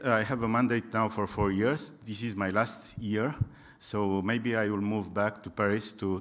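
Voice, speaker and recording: Low-voiced Romanian-accented man lecturing haltingly. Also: fairly bright tone. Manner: halting, searching for English words with many restarts. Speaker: astronomer giving a lecture. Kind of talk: public science lecture.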